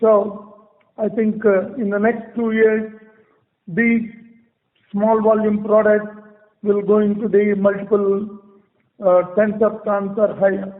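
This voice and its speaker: A man with an Indian accent giving halting, measured answers as a company executive on an earnings call. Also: sits high, flat delivery. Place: conference call. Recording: muffled conference line with long reverb.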